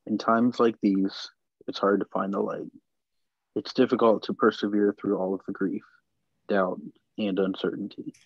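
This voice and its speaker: A man reading the part of a small-town reverend addressing his church, measured and solemn. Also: on the low side, little pitch movement, dry recording, dull audio. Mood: consoling. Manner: measured, preaching. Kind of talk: script table read.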